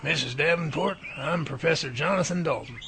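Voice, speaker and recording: An actor as a creaky, high-voiced elderly professor. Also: male voice, brisk, background noise, close to an everyday voice. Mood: courteous, persuasive. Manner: polite, earnest, persuasive. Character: courteous elderly male professor, earnest research team leader. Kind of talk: radio drama acting.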